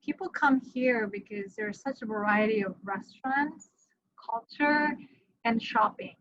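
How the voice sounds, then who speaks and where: A woman's voice: fairly high pitch, unhurried, a bit bright, dry recording, lo-fi sound. A middle-aged woman from Romania, a mortgage lender answering interview questions in a friendly, matter-of-fact way.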